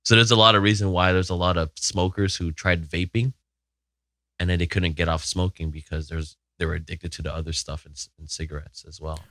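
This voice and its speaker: A man co-hosting a podcast who explains things in a lecturing tone that trails off quietly at the ends of phrases. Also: sits low, steady tone, a little fast, no echo. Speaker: podcast co-host. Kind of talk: casual podcast chat.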